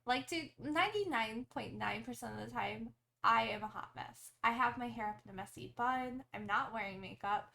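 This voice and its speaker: A woman chatting casually as a podcast co-host, brash and animated, swearing freely. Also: a little high, moderate pace, gravelly, few pauses. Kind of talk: casual chat. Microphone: headset.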